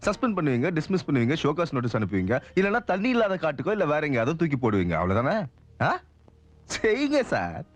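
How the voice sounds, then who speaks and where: A man's voice: on the high side, wildly swooping pitch, quick pace. An actor playing a smug, sarcastic male police officer in a dubbed film, with a mocking, swaggering delivery. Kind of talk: Tamil film dub dialogue.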